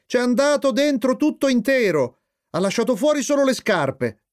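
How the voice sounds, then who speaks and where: Man voicing a mischievous little boy, teasing, triumphant, raised pitch. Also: huge pitch swings, normal speed. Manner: taunting, triumphant.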